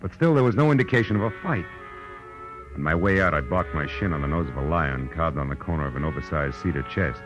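An actor playing a wry, hard-boiled private detective with an American accent in 1940s radio drama, speaking in a clipped, sardonic, world-weary way. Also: male voice, extremely low pitch, lively intonation, fast, music in the background. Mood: wry narration. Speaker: lead actor and narrator of a radio detective series. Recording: muffled vintage 1940s radio recording.

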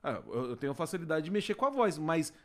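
A Brazilian man chatting casually on a podcast, talking quickly and swearing freely. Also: a little high. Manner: rapid, lively, swears casually.

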